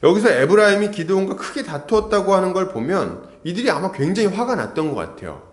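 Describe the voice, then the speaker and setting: Lively-voiced pastor preaching in an echoey hall. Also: male voice, high-pitched, fast. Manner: asks the congregation questions, acts out quotes. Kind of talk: expository sermon. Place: church sanctuary.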